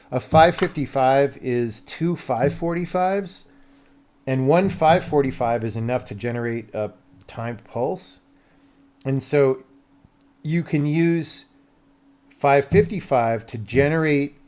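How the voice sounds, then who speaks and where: An American man with a medium-pitched voice talks informally as a live streamer. He explains technical things off the cuff, rambling and thinking aloud as he goes. His wording is loose and conversational, occasionally mildly profane. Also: darkish tone. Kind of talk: casual livestream chat, explaining tech.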